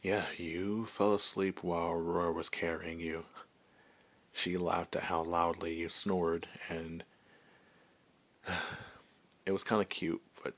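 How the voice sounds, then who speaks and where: A man voicing a friendly, gentle werewolf and former adventurer in an intimate ASMR roleplay, chatting in a hesitant, softly amused way. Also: sits low, level tone, takes it slowly, pauses often, heavily acted. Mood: relaxed, friendly.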